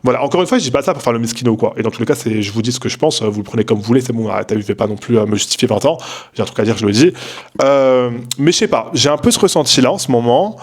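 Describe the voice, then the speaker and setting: A man's voice: mid-range voice, very fast. A young man in a casual late-night vlog, rambling in a slangy way with many fillers and restarts, talking from home. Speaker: content creator.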